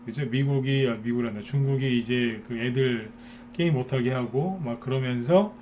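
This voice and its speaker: A man at a mid pitch gives a chatty live stock lecture, often checking in with his viewers through short asides. The recording carries a faint hiss of background noise. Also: normal speed, a little mellow. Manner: chatty, many filler "ne" and tag questions to viewers. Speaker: stock market commentator.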